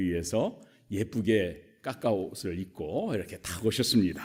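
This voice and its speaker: With a dark, mellow tone, the man's voice shows ordinary pitch variation. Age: 60s. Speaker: retired pastor, guest preacher. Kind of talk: sermon. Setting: church.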